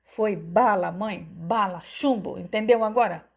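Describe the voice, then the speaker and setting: A woman's voice: mid-range voice, a little slow, vocal fry, breathy edge. A woman voicing a wounded young male criminal, agitated, harsh and curt, in an audiobook story.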